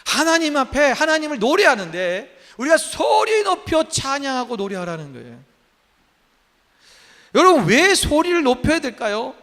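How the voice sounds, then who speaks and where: High, lively pastor in a reverberant hall. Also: male voice, moderate pace. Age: 50s. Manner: emphatic, asks the congregation many questions. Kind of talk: sermon. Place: church sanctuary.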